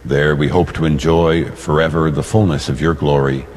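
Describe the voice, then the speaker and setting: A man, a priest, solemnly chanting and praying the Mass in measured phrases, his voice echoing as in a cathedral. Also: rumbling low, fairly even intonation, a little mellow. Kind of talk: liturgical chanting and spoken prayer. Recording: echoing cathedral-like hall, long reverb.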